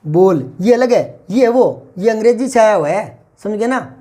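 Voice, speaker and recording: An older man with a Rajasthani Hindi accent teaches a classroom Hindi lesson on phonetics, explaining patiently, repeating himself and often checking that students follow. His voice sits high and sounds warm and animated at a moderate pace.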